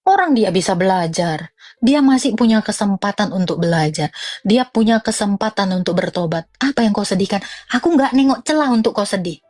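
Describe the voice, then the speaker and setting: A young woman, giving a blunt, mocking Christian commentary full of laughs and pitch swings. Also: animated, fairly quick, darkish tone. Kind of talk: informal religious commentary rant.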